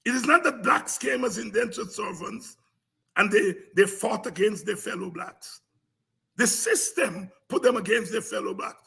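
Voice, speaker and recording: Raspy, impassioned Guyanese man, high-pitched. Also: normal speed, sharp tone. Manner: emphatic, repetitive, combative. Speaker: host of a politics and history talk programme. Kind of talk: impassioned informal history lecture to an audience.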